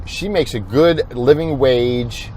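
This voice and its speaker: A man talking through an informal corporate training video as an insurance agent, thinking aloud in a halting, rambling way. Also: mid-range voice, a little mellow, a little hiss or hum.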